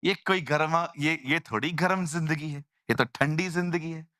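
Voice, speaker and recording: A male pastor preaching a lively sermon in a church, mimicking people in quoted voices. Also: fairly high pitch, normal speed, dry recording, clean studio sound. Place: church hall.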